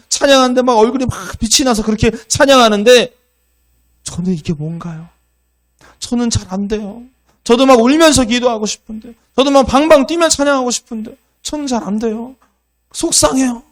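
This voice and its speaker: A man voicing a tearful, anxious young woman believer who pleads in a raised, high voice. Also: fairly quick. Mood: tearful pleading.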